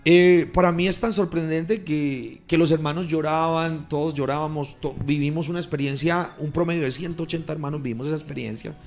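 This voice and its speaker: A man, a pastor giving a fervent testimony in a radio interview, often growing loud. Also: fairly high pitch, steady tone, brisk, hardly any pauses, faint music behind. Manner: emphatic, grows loud when retelling. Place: radio studio.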